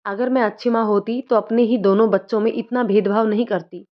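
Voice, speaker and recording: A woman's voice: medium pitch, fairly even intonation, a little fast, lightly acted. A woman voicing a remorseful middle-aged mother speaking with emotion, read as a storybook role. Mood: regretful. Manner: emotional, regretful. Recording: dull lo-fi recording.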